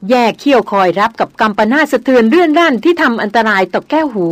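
Female audiobook narrator, steady and expressive, slightly high, dry close recording. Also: quick pace, no room sound. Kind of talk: reading an adventure novel aloud.

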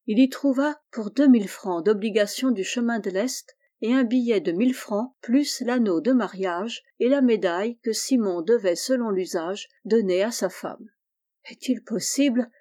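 A woman reading a classic novel aloud in a calm, measured way. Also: medium pitch. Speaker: audiobook reader. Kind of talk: scripted narration of a classic novel.

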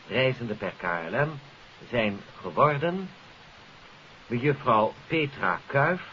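A man's voice: medium pitch, fairly bright tone. A man presenting on 1950s radio, addressing listeners in a formal, courteous, scripted announcement. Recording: hissy, dull 1950s radio recording.

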